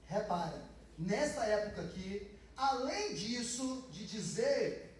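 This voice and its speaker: Male pastor, Brazilian accent, high voice, chatty sermon delivery; distant mic in a very echoey church. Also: darkish tone, slight background noise. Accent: Brazilian Portuguese. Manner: conversational preaching, acts out quoted blessings. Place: large church hall.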